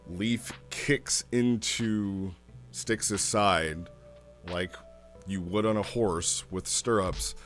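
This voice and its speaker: A man giving casual, amused commentary as a host retelling roleplay stories in a halting way. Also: fairly low pitch, a bit bright. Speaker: host reviewing online roleplay sessions.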